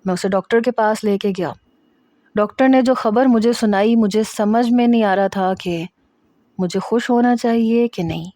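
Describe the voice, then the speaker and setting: A woman narrating a first-person love story in a steady, plain reading. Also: fairly high pitch, dry recording, studio quality.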